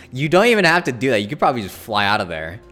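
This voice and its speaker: Male streamer, average pitch, off-the-cuff game commentary over soft background music. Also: big pitch swings, fast. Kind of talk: casual live reaction commentary.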